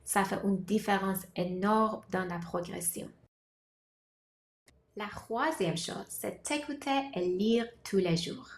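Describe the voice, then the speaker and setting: A woman who learned French as a second language, giving a scripted, measured talk as a language-learning vlogger. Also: mid-range voice. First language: not French. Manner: measured, deliberate delivery in short listed phrases. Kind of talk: scripted explanatory monologue.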